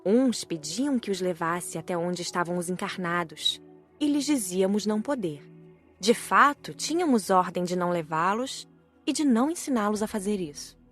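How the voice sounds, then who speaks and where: A woman's voice: mid-range voice, animated, moderate pace, fairly bright tone, soft background music. A woman with a Brazilian accent reading a scripted first-person audiobook narration.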